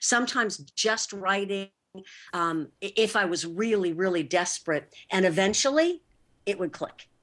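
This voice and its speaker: A woman with an American accent talks at a moderate pace in medium pitch, with ordinary pitch variation and an ordinary speaking voice. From US West Coast, San Francisco. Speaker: author and workshop leader. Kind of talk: interview conversation.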